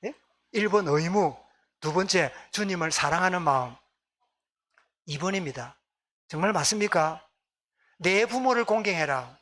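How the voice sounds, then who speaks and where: A man's voice: a little high, normal speed, long pauses, a bit bright. Gyeongsang pastor quizzing his congregation. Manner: asks the congregation questions and repeats answers. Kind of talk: sermon. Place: church sanctuary.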